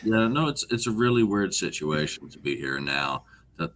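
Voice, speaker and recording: Super deep voiced guy on a podcast reading comments, measured, bit of faint noise behind. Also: animated, fairly bright tone. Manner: measured, reads out viewer comments. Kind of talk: casual live podcast chat.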